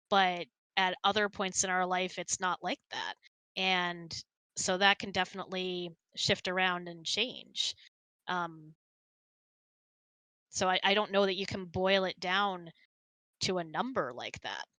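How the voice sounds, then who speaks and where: Bright, low-pitched woman chatting candidly. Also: a little slow, dry recording, poor audio. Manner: candid, informal. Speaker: host. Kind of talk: casual relationship advice chat.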